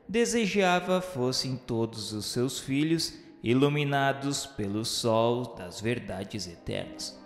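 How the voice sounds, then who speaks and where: Brazilian man, radio-drama narrator, formal oratorical delivery, unhurried pace, reverberant echo, music behind. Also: mid-range voice. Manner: formal, solemn, oratorical diction. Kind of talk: solemn scripted narration of a spiritual radio novel. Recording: echoey hall reverb, music underneath.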